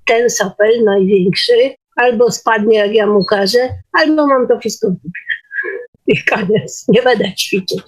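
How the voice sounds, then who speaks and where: A woman's voice: on the high side, measured pace, rough recording. A woman taking part in an online meeting, casually telling personal stories in a plain-spoken, conversational way. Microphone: online call microphone.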